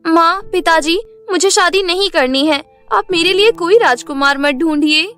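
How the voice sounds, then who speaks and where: A woman acts a meek young princess in a cartoon fairy tale. The voice is very high, earnest and pleading. Music runs softly underneath. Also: moderate pace. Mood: reluctant. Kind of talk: Hindi cartoon story dubbing. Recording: music bed behind the voice.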